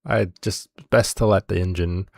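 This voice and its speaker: A man voicing a gruff male mechanic character in a tabletop game, with a drawling, offhand delivery. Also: sits low, fairly even intonation, moderate pace, a little mellow, dry recording, studio quality.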